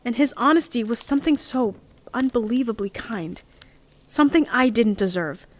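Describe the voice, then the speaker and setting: A woman's voice: on the high side, lively intonation, normal speed. A woman playing an earnest, lovestruck young member of a heist crew in an audio drama, speaking in a heartfelt, confessional way. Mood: remorseful, tender. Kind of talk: audio drama monologue and dialogue.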